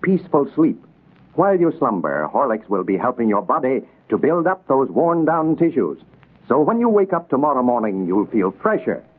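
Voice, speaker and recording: A man reading a 1940s radio commercial in a soothing, persuasive tone, his slightly husky voice rising and falling with lively expression. The sound is thin and tinny, like an old radio transcription. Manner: smooth, soothing sales pitch. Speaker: radio announcer.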